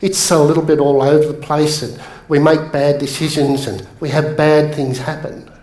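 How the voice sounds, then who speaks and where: Energetic Australian man in an echoey room. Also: fairly high pitch, normal speed. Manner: energetic, jokey, addresses the crowd. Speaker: motivational speaker. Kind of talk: motivational seminar talk. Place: large seminar room.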